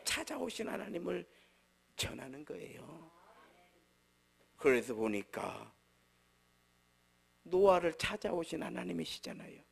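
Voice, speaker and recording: Middle aged guy pastor preaching, raspy fry in his voice, goes quiet then loud and punchy. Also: on the high side, big pitch swings, measured pace, pauses often. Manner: storytelling, acts out quoted voices; swings from soft murmurs to loud emphatic bursts. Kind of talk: sermon.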